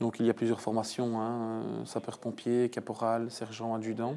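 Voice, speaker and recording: A man speaks at a moderate pace and medium pitch, his intonation fairly even. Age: 30s. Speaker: fire officer and training coordinator. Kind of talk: interview and on-site explanation. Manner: hesitant, many fillers.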